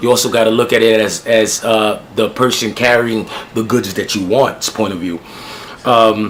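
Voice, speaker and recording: A man with a New York accent, medium pitch, over noticeable background noise. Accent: heavy New York. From Florida, raised by a New York mother. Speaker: sneaker vlogger. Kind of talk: casual vlog talk. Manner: hesitant, many fillers.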